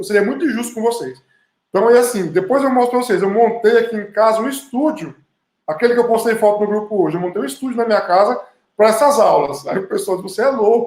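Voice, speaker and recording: A loud voice at a very fast pace, with ordinary pitch variation. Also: man, high pitch for a man. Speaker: online course instructor. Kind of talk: online class. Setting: home studio, video stream. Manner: animated.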